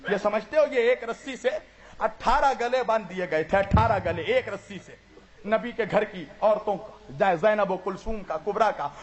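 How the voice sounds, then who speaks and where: A man from India preaching a mourning sermon with passion, putting questions to the listeners and swinging between loud cries and low grieving tones. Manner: addresses the audience directly with questions. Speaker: Islamic preacher. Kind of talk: mourning sermon at a religious gathering.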